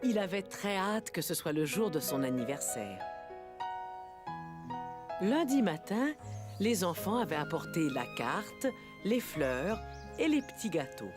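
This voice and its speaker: A woman playing a gentle storyteller, narrating a scripted children's cartoon. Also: lowish voice, very animated, unhurried, pauses often. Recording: music behind the voice.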